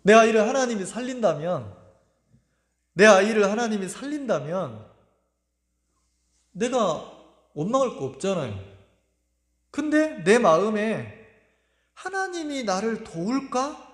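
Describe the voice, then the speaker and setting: A middle-aged pastor preaching in a high, lively voice that rises and falls a great deal. He speaks earnestly, pausing and circling back over his words. The sermon rings through an echoey church hall with a long reverb tail. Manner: earnest, emotional storytelling with pauses and repeated words. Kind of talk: sermon with personal testimony. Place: church sanctuary.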